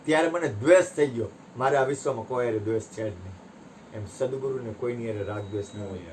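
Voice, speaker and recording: A man giving a satsang discourse, telling parables with sharp rises and drops in his voice. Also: mid-range voice, fast talker, a little hiss or hum. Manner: animated storytelling, voice rising and dropping sharply. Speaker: spiritual teacher.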